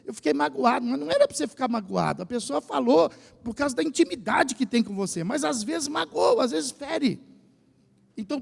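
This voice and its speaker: A Brazilian man with a São Paulo accent preaching a lively sermon as pastor, drawing the congregation into call and response. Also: very high-pitched, creaky. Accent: Brazilian Portuguese, São Paulo state. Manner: animated preaching, asks the congregation to repeat phrases. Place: church hall. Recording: church hall with long reverb.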